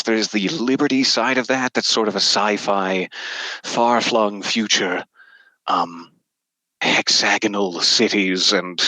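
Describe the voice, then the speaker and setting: A man's voice: on the low side, bright, forceful tone, no echo, rough recording. A man chatting casually as a voice actor guest on a podcast, with wordy, playfully dramatic phrasing. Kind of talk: casual podcast conversation about audio drama work.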